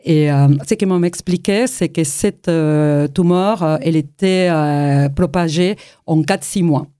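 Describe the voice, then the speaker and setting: A woman's voice: low voice, measured pace, warm tone, clean tone, no room sound, studio quality. A middle-aged woman with an Argentine Spanish accent, a Spanish native speaker, telling her story as a guest, hesitant with many fillers. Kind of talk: personal testimony interview.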